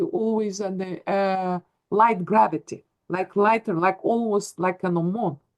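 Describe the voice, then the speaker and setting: In a Russian accent, a woman of medium pitch speaks at a fairly slow pace with fairly even intonation. The sound is dry and close, with no echo. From Russia, Ural Mountains region. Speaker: contactee. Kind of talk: interview testimony. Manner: halting.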